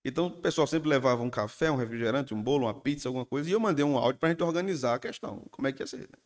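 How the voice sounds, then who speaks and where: Animated pastor. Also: male voice, medium pitch, racing. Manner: animated storytelling, acts out congregants. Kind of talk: sermon.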